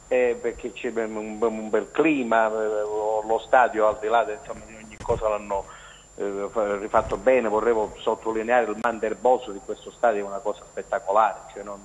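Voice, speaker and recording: Man calling in over an echoey phone line. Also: on the low side. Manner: rambling, with frequent restarts and "eh" fillers. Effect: heard over a phone line. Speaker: journalist phoning in to a TV sports show. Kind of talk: casual sports commentary.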